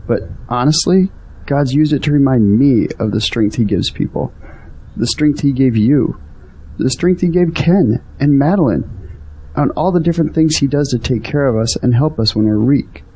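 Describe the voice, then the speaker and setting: A man acting an earnest, hopeful, devout son with a husky voice in a Christian audio drama. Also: mid-range voice, moderate pace, dark tone, slight background noise, lightly acted, poor audio. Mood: earnest, marvelling.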